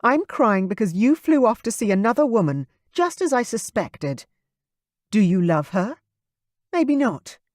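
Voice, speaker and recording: An audiobook reader voicing a pregnant young woman who is emotional and quick to anger, in a raised, intense voice. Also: sing-song, no echo, clean studio sound. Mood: furious. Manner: high-pitched, intense, loud. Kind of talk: audiobook character voice.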